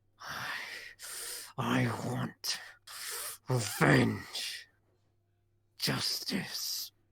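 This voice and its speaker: A put-on character voice growls and hisses at a very deep, low pitch. The sound is raspy throughout. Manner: malicious, vengeful.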